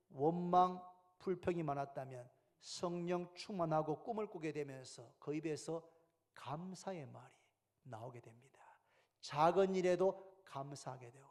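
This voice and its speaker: A male pastor with a Gyeongsang accent preaching a sermon in church, moving between loud emphatic calls and hushed, whispered asides. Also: on the high side. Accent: Gyeongsang Korean. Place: church sanctuary.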